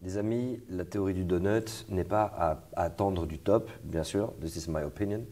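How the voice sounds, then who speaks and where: A man's voice: sits low, moderate pace, mellow. A young man hosting an interview, talking casually with fillers and restarts. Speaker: host.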